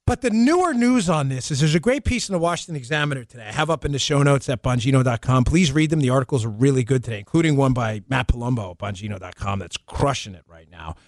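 Sarcastic fast-talking male political talk host. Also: mid-range voice, lively intonation, no echo, clean studio sound. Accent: New York. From New York. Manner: rapid, sarcastic, mocking. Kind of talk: political talk show commentary.

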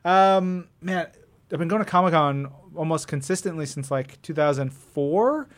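A man's voice: fairly high pitch, normal speed. A man chatting casually as a co-host of a podcast.

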